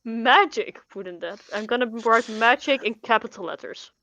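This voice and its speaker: A woman's voice: on the high side, moderate pace, pushed and bright, no echo. A woman chatting casually as a player in a tabletop roleplaying game, on a lo-fi recording. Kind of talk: casual chat. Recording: slightly dull, lo-fi sound.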